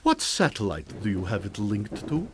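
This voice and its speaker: A man's voice: fairly low pitch, huge pitch swings, normal speed, slight background noise. A man playing an older mad scientist, droll and exasperated, lecturing with an air of superiority in a comedic radio drama. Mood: skeptical. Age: middle-aged. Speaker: voice actor. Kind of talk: comedic old-time radio drama acting.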